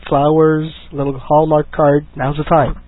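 Husky sick-voiced man hosting a web show. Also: a little high, little pitch movement, a little slow, dry recording. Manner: chatty, joking, rambling. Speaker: podcast host. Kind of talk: casual chat. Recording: lo-fi phone-like internet stream.

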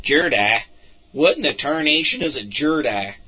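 A man's voice: fairly high pitch, expressive, normal speed. A man voicing an impatient, folksy trooper sergeant who barks orders at his squad. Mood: gruff. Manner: folksy, bossy, exasperated. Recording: muffled lo-fi recording.

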